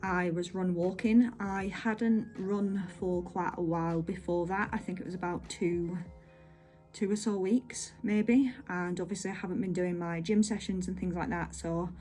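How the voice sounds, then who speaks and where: Woman, slightly low pitch, casual running vlogger, informal and meandering, faint background music. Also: fairly even intonation, moderate pace, warm tone. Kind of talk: casual chatty vlog update to camera.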